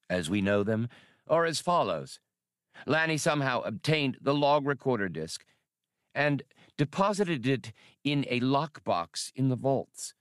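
A pedantic alien scholar from a space adventure audiobook, put on by a male narrator. The voice is raised in pitch and lectures formally, point by point, in a classroom tone. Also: fairly bright tone, no room sound, clean studio sound.

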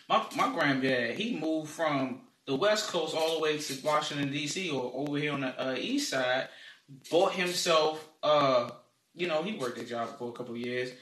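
A man's voice: a little high, normal speed, fairly bright tone, distant mic. A man with an African American accent debating casually, argumentative, swearing freely and repeating himself. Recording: echoey room, off-mic, some noise.

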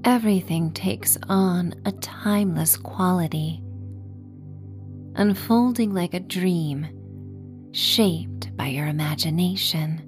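A woman narrating a sleep story and guided meditation softly and gently, with a breathy voice that drifts near a whisper. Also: lowish voice, soft background music. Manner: slow, gentle, measured. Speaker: podcast host and meditation guide.

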